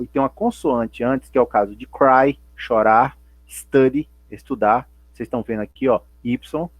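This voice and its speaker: Patient teacher, husky voice. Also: male voice, medium pitch, darkish tone, dry recording. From Brazil. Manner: patient, repeats and spells out points, asks and answers himself. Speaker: English teacher. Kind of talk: remote class explanation.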